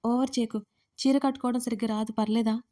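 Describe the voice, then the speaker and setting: A woman voicing a shy, nervous young bride in an audio story, speaking softly. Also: a little high, fairly even intonation, quick pace, natural voice. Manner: soft, shy.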